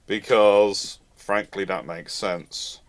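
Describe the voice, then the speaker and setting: A man's voice: fairly low pitch, steady tone, slow. A man hosting a live question-and-answer chat, talking in a rambling way and often repeating and rephrasing himself. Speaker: host answering audience questions.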